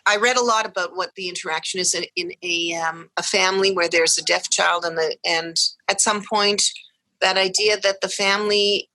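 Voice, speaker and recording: A woman speaking English as her first language, telling her family's story in a lively way as a guest on a podcast interview. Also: fairly low pitch, moderate pace, no room sound, low-quality recording. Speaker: guest, mother of deaf twins.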